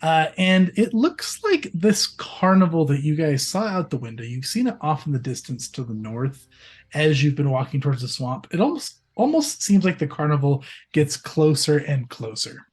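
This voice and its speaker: A man's voice: fairly high pitch, very animated, moderate pace, a little mellow, breathy edge, soft background music. Man narrating a tabletop game. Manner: loose, descriptive, many fillers. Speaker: game master.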